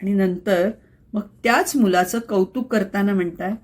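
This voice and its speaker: A woman's voice: medium pitch, normal speed. A woman presenting an explainer in a conversational, theatrical way, emphatic and full of rhetorical questions. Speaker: host and presenter. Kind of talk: conversational scripted explainer on voice skills.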